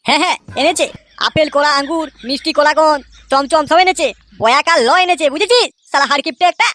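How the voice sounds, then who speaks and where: A woman's voice: high voice, fast, fairly bright tone, dry recording. A woman voicing an aggrieved, foul-mouthed male rickshaw driver in a comedy cartoon, grumbling and cheeky.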